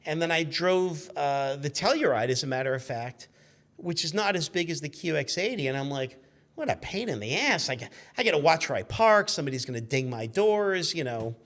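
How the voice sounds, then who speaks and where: A man's voice: on the high side, animated, a little fast, a bit bright. A man in his fifties telling stories casually as a guest, correcting himself as he goes. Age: 50s. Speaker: guest, car magazine editor. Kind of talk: casual conversational storytelling.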